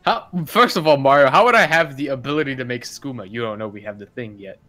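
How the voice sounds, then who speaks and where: A man's voice: medium pitch, fast talker, sharp tone, faint music behind. A man bantering casually as a player in a tabletop roleplay game.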